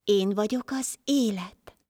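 A woman voicing Life, a wandering healer, in a calm, measured storybook voice. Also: medium pitch, breathy edge, no echo, clean studio sound, natural voice.

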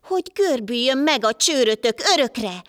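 A woman's voice: fairly high pitch, animated, a bit bright, dry recording, clean studio sound. A woman voicing a stranded winged wanderer who pleads for lost wings in a folk tale. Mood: angry. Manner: pleading, insistent.

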